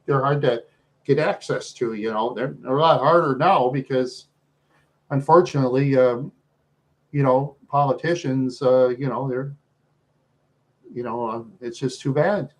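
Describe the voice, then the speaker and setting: Man, American accent, mid-pitched voice, talkative, halting and rambling, casual livestream host. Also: low-quality recording. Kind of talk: casual livestream chat with viewers.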